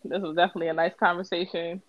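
A woman's voice: fairly low pitch, flat delivery, racing, highs cut off. African American woman, slangy and playful. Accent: African American English. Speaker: podcast co-host; bartender. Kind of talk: casual banter.

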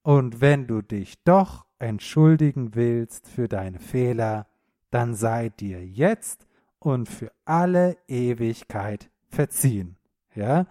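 A man hosting a podcast lesson for German learners, speaking slowly and clearly in an encouraging tone, often checking in with a quick question. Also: mid-range voice, mellow, dry recording, studio quality. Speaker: podcast host and German teacher.

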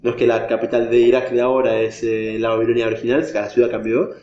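Speaking quickly in a medium-pitched, darkish voice with fairly even intonation, a man teaches religion to a class. He breaks things down step by step and poses questions to students. The room recording is dull, lo-fi, and echoey.

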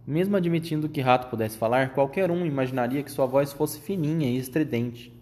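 A man of medium pitch reading a storybook aloud to a child. He narrates plainly and asks the listener gentle questions between passages. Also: fairly quick.

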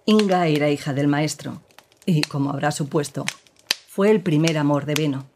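Woman doing a serious low-voiced lady telling a sad story, radio drama, hissy noisy recording. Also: close to an everyday voice. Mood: grave. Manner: measured, grave storytelling. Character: grave woman recounting her partner's past. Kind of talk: dramatic narration within an audio drama.

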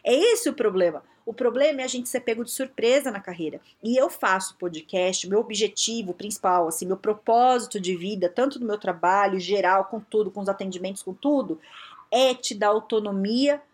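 A woman from Brazil giving casual career advice straight to her listeners, acting out bosses and employees in quick quoted lines. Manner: lively, acts out quoted dialogue with pitch jumps. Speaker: career advice podcaster and consultant.

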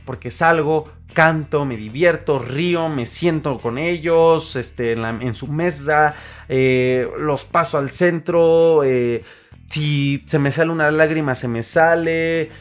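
A man with a Mexican accent, a podcast host and singer, telling stories in a casual, animated monologue full of fillers and restarts. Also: on the high side, slow pace, soft background music. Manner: animated storyteller, acts out quoted voices, frequent fillers and restarts.

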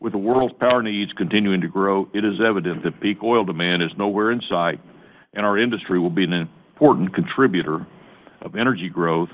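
A man presenting as a company executive on an earnings call, reading a prepared script in a formal, measured way. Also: deep voice. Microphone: conference call phone line. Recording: tinny narrow-band phone line.

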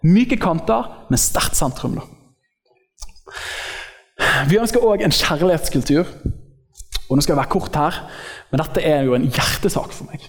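A male preacher with a fairly high voice that swings widely in pitch, delivering a casual, humorous sermon full of slang. His voice carries a long hall reverb, as from a church hall. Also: long pauses. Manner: lively, joking, acts out quotes in slangy speech. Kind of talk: informal sermon.

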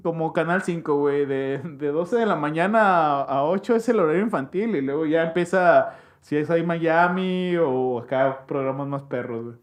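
A man's voice: a little high, normal speed. A young man with a Mexican accent tells a childhood story in casual, slangy chat, jumping into voices to mimic people.

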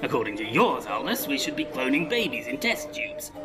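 A man plays a genteel English male writer with dictatorial ambitions, in a science fiction comedy audio drama. He is articulate, pompous and persuasive, at an everyday middle pitch. Music plays clearly behind him. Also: sing-song, fairly quick, close to an everyday voice. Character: George Orwell, scheming genteel English writer turned dictator.

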